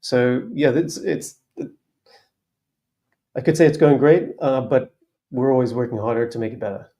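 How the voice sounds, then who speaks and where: A man speaking as a guest on a panel, explaining his company's work in a relaxed way, pausing often with fillers and restarts. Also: medium pitch. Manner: relaxed, hesitant with many fillers. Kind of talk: casual panel discussion.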